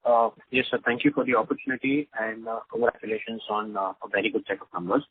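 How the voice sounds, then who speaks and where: Husky man on a tinny phone line. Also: on the low side, fairly even intonation, fast. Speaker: financial analyst. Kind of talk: asking questions on an earnings call. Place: telephone conference call. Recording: tinny narrowband telephone line.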